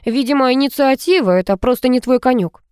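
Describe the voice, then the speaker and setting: A woman's voice: sits high, fast talker, darkish tone, smooth, no echo, voice pushed up, lightly acted. A woman voicing a curious, chatty young woman student who keeps asking questions, in a dry recording. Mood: friendly. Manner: eager, questioning.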